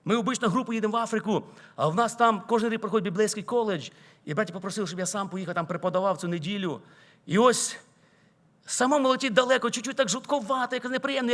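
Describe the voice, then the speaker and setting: A man with a Ukrainian accent preaching a sermon, telling a personal story and building to loud exclamations. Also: sits high. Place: church sanctuary.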